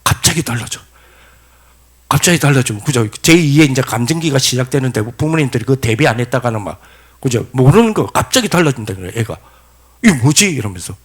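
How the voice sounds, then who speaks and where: A man's voice: mid-range voice, fast, breathy edge. A middle-aged man, preaching a lecture-style sermon, asking the congregation questions and acting out quoted voices. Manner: animated storytelling, asks the congregation questions. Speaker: pastor.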